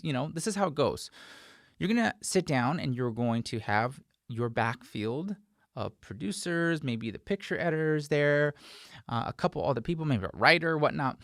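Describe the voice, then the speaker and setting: An American sound mixer in his forties hosts a conversational instructional talk from a small indoor post-production studio, emphatically stressing his advice. A desk microphone sits close in front of him, capturing his fairly high voice with clean studio sound and no echo.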